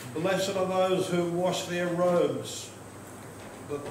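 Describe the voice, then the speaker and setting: In a room with audible echo and noticeable background noise, a man speaks very slowly at a high pitch. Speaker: minister leading a service. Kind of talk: call to worship reading and announcements. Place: church. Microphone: podium.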